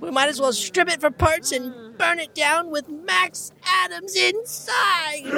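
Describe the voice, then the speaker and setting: The voice sits at a high pitch and moves at a fairly slow pace. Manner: angry, ranting.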